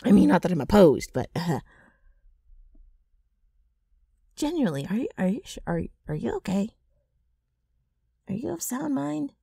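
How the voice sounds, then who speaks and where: A woman playing a brash, mischievous ghoul with a rough, gravelly voice and a wheedling, sardonic manner in an ASMR roleplay. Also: medium pitch, big pitch swings, moderate pace, dark tone, no echo, clean studio sound, full character voice. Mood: baffled, wary. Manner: wheedling, sardonic, drawling with abrupt swings.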